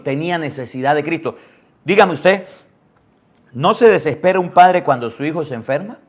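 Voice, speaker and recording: A man preaching a sermon, asking the listeners question after question and dropping suddenly to a hush. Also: a little high. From Venezuela. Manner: emphatic preaching with rhetorical questions and sudden drops to near-whispers. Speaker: priest.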